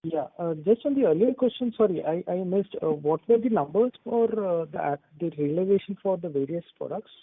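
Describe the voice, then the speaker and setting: High-pitched, husky man on the phone. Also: expressive, brisk, few pauses, no room sound. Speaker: analyst asking questions. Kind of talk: earnings call questioning. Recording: narrow dry phone line.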